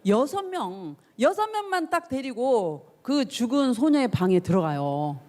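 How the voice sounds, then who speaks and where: A woman preaching a sermon for teenagers, her voice sitting a little high and swinging widely up and down as she tells the story. She acts out the voices of the people in it with feeling and keeps putting questions to her young listeners. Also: measured pace. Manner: animated storytelling, acting out voices and cries; asks the listeners questions directly. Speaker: youth pastor. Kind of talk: youth sermon.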